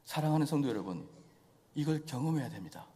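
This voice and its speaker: A man's voice: a little high, lively intonation, quick pace, dark tone, slightly rough. A male pastor preaching a sermon in an emphatic style, full of rhetorical questions. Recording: long church reverb.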